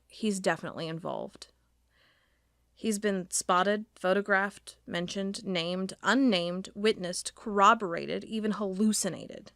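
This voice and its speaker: An actress playing a determined federal agent, reading a case report earnestly over music. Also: female voice, mid-range voice, fairly bright tone, no room sound, studio quality. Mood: intent. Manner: earnest, intent, reads formally. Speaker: investigating agent. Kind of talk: audio drama monologue reading a report. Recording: music bed under voice.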